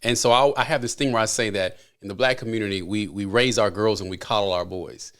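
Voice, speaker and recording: A man's voice: fairly low pitch, quick pace, a bit bright, clear, resonant tone. A man hosting a podcast, chatting casually and animatedly, often repeating his phrases. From American South. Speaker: podcast host. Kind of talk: casual interview chat.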